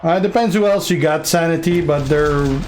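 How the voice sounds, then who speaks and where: A man's voice: on the high side, normal speed, a little hiss or hum. A young man from Canada with a French Canadian accent, casually rambling as he answers viewer questions on a live game stream. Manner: relaxed, rambling with fillers and restarts.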